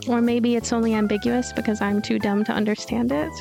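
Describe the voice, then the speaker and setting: A woman voicing a lonely, gloomy ghost girl who narrates her story in a deadpan, weary, introspective way. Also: on the high side, brisk, creaky, music in the background. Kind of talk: first-person story narration.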